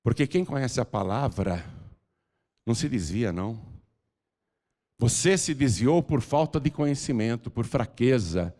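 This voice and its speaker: A Brazilian man with a mid-pitched voice preaches a sermon, fervent and urgent. He drops into soft pleading, then swells into loud calls to come forward. A long church-hall reverb trails each phrase. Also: very animated, a little slow, pauses often. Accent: Brazilian Portuguese. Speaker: pastor. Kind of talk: preaching a sermon with an altar call.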